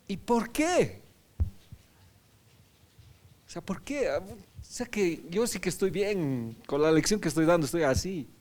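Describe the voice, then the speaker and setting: A man's voice: on the high side, darkish tone. Man preaching a conversational Bible lesson. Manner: questioning the congregation often, with frequent tag questions. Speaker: pastor. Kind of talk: conversational Bible study sermon.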